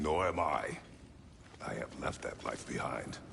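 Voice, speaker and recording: A man puts on a character voice and moves at a fairly slow pace, with clear background noise behind him. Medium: video game. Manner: terse, formal, no contractions.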